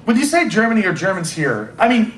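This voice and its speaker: A man with a high voice tells funny stories to a live convention audience, mimicking other people in animated dialogue. The room is echoey, with faint ambient noise behind him. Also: fast. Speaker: convention panel host. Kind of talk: comedic storytelling to a live audience.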